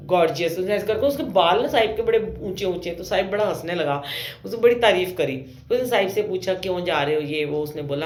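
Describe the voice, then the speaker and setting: A woman, telling a devotional story about her own life in a chatty way, full of fillers and with her family's words acted out. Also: lowish voice. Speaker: satsang storyteller. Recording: roomy echo.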